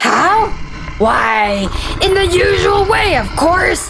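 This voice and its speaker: The speaker uses a put-on character voice with an extremely high pitch and growling, going at a very slow pace. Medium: read story. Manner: commanding, gruff.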